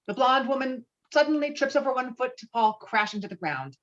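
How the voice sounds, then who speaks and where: A woman's voice: high voice, expressive, a little fast, dull audio. A woman reading stage directions as scripted narration for a virtual table read, recorded over an online call. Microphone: online call microphone.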